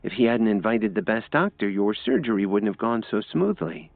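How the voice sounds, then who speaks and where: A man voicing a shy, anxious young woman in an audiobook, talking softly and hesitantly. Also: fairly low pitch, lively intonation, moderate pace, creaky, dry recording, voice pushed up. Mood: worried. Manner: soft, hesitant and worried. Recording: dry, tinny phone-like sound.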